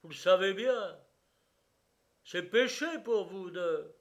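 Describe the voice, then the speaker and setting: A man doing a wild, shouting white-haired old man. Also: sits high, takes it slowly, voice pushed up. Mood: frantic shouting. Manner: shouting imperiously.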